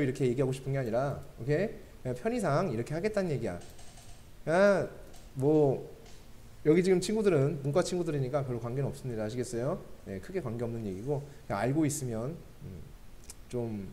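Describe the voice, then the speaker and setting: A man teaching a math class, often checking in with the students and adding joking asides. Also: on the high side. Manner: keeps checking understanding with quick questions to students; joking asides between explanations.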